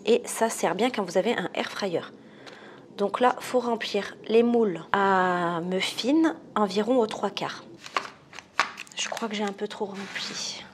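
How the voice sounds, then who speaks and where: A woman's voice: medium pitch, a little slow, noisy background. A woman hosting a casual cooking video, chatty and self-amused, often dropping her voice to a murmur.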